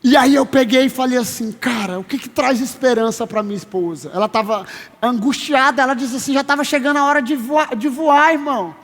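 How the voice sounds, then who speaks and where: A man in his thirties preaching a sermon as pastor, emphatic, slowing down to stress his words and calling listeners brother. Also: very high-pitched, a bit bright. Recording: long reverb of a large hall.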